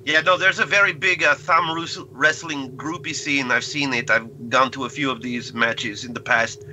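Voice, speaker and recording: A man playing a tabletop roleplaying game, hesitant and joking in a dry, deadpan way. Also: mid-range voice, normal speed, slight background noise, poor audio. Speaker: player.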